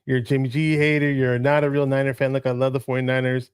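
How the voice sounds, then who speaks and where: A man hosts a casual sports chat, rambling and restarting his sentences as he searches for words. His voice sits at an ordinary pitch, recorded close and dry. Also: flat delivery, quick pace, smooth, no room sound. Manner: rambling, full of restarts and fillers. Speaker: podcast host.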